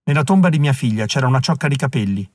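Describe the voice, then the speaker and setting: A male narrator voicing a calm, grave Native American man who speaks quietly and steadily. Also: medium pitch, racing, dry recording, studio quality, close to an everyday voice.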